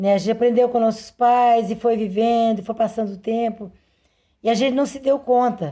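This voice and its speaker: A woman's warm, dark, mellow tone at a fairly high pitch, moderate in pace, with fairly even intonation. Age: 60s. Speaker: Bible teacher. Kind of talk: Bible reading with commentary. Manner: warm, conversational.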